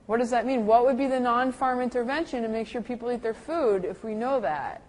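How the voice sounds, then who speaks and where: A woman of middle age lectures caregivers on dementia care in a fairly high voice. She speaks lively and jumps up in pitch whenever she acts out the people in her stories. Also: brisk, rough recording.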